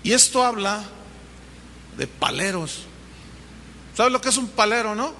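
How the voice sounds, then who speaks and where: A man's voice: high-pitched, lively intonation, a little slow, sharp tone, a little hiss or hum. A man with a Mexican Spanish accent preaching a sermon as pastor, telling the story vividly and acting out the dialogue. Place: church hall. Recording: long reverb of a large hall.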